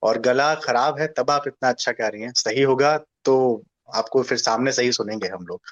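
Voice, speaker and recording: A man's voice: mid-range voice, normal speed. Polite male host, muffled sound. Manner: polite, thanking, leading questions. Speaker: program host. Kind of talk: interview talk.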